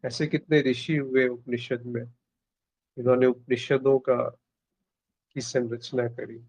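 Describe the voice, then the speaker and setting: Male spiritual teacher, unhurried reflective delivery, dry close sound. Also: medium pitch, little pitch movement, darkish tone, dry recording, poor audio. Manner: slow, contemplative, with pauses. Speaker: spiritual teacher leading satsang.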